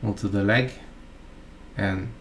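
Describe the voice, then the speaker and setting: A Norwegian man with a Norwegian accent narrates a fly-tying tutorial, his speech halting and chatty, packed with fillers and asides. His voice sits fairly low and his tone stays steady.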